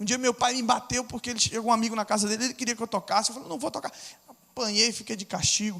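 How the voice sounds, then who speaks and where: A man's raised, projected voice, high in pitch, at a very fast pace with fairly even intonation. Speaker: pastor. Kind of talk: sermon.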